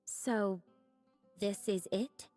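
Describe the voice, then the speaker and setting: A woman voicing a quiet, hesitant female character in a video game, with a soft, breathy voice. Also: medium pitch, fairly even intonation, very slow, faint music behind. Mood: hesitant, musing.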